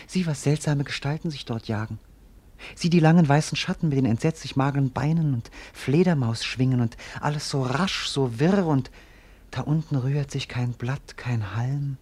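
An actor playing a bored, melancholy young prince in a radio play, declaiming lyrically. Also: male voice, mid-range voice, normal speed, darkish tone, breathy edge, close to an everyday voice. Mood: brooding, awed. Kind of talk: theatrical German radio play acting.

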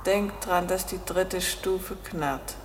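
An actress playing a cold, insistent woman who gives measured orders and goads in a crime radio play. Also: lowish voice, big-room sound, slight background noise. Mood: quietly insistent. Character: cold, commanding, goading woman accomplice.

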